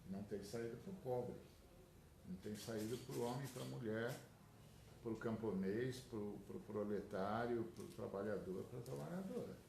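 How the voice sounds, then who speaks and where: Slow deep-voiced pastor in echoey room. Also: male voice, creaky. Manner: slow, measured preaching with pauses. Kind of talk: spoken address to a group. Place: indoor room. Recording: echoey room, faint noise.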